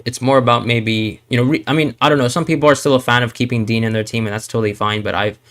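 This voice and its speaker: A man from Hong Kong hosts a live fantasy football Q&A stream, answering chat while thinking aloud and hedging, full of fillers and restarts. His voice is mid-range and a bit bright, with fairly even intonation and a quick pace.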